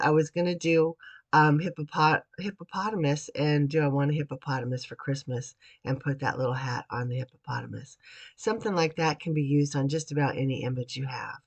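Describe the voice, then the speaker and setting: A woman host narrating a card-making tutorial voiceover at her home craft desk, sounding raspy and stuffy from a cold, chatty and rambling with frequent restarts. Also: deep voice.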